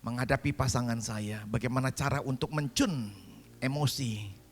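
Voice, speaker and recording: A man's voice: mid-range voice, moderate pace. A man of sixty, a pastor preaching a sermon and telling a family story with acted-out dialogue and rising emphasis. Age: 60s.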